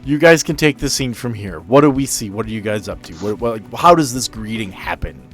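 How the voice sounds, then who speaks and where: A man's voice: fairly low pitch, lively intonation, brisk, a bit bright, faint music behind. A man narrating as game master on a tabletop roleplay podcast, talking conversationally and addressing his players directly.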